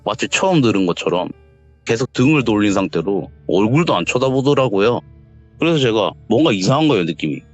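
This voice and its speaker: A man calling in to tell a true ghost story, animated and acting out the quotes as he goes. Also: fairly low pitch, a little fast, no room sound, highs cut off, soft background music. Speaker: caller telling a viewer's story. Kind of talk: telling a true ghost story on a call-in radio show. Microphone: voice call.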